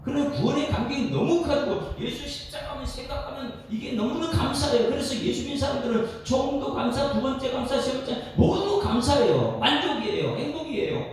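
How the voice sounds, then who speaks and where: A male pastor gives an animated dawn sermon and puts questions to his congregation, heard from a distant mic in an echoey church. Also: very high voice, brisk, hardly any pauses. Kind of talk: expository sermon at a dawn prayer service. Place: church sanctuary. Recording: echoey hall, distant mic, faint noise.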